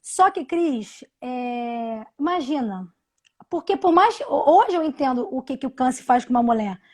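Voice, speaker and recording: A woman in her thirties telling a personal story on a live video call, halting, with many restarts and repeated words. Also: high-pitched, lively intonation, darkish tone. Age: 30s. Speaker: interview guest. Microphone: video call from home.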